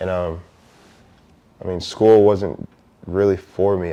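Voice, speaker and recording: With a dark, mellow tone and very deep, low pitch, a man speaks at a moderate pace in a monotone, flat intonation. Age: 20s. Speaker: content creator.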